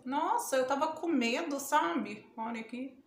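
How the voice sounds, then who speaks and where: A woman's voice: high-pitched, measured pace, echoey room, slight background noise. Chatty Brazilian woman vlogging at home. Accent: Brazilian Portuguese. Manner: chatty, exclaims often, laughs and yelps when it stings. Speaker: beauty vlogger. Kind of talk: casual tutorial chat to camera. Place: home room, indoors.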